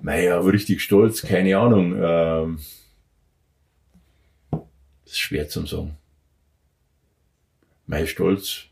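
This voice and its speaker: A man with a Bavarian accent speaks in a fairly low voice, chatting as a podcast guest. He hesitates a lot, restarting sentences and filling gaps with "ähm". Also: steady tone, slow pace, gravelly, long pauses, darkish tone, roomy sound. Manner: hesitant, with many fillers and restarts. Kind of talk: casual interview talk.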